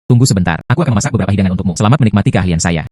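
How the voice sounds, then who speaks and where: A man voicing a poor but easygoing security-guard father in a dubbed drama, with a brisk, matter-of-fact delivery. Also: low-pitched, animated, a little mellow, no room sound, studio quality. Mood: cheerful.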